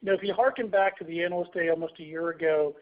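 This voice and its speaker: A male analyst asks courteous questions over a narrow, tinny phone line. He talks quickly in a somewhat high voice, in a conversational way. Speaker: financial analyst asking questions. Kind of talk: polite, conversational questioning on a call.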